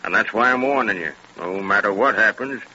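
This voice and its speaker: A man's voice: lowish voice, pushed and bright, dull audio. A man playing a folksy, commanding small-town sheriff in a 1930s radio drama. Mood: confiding, firm. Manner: folksy, commanding, drawn-out warnings. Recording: scratchy, band-limited 1930s radio recording.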